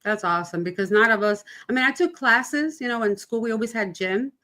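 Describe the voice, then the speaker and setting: A woman's voice: fairly high pitch, a little fast, sharp tone. A woman from New York hosting a casual livestream interview, chatty and rambling, laughing often. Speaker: podcast host. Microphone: video call livestream.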